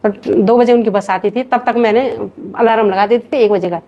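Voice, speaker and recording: A woman's voice: a little high, moderate pace, crowd noise. A woman in her forties from Himachal Pradesh, a guest telling a personal story in casual speech and acting out what her family said. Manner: animated storyteller who acts out family quotes. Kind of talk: casual spoken testimony. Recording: slightly dull, lo-fi sound.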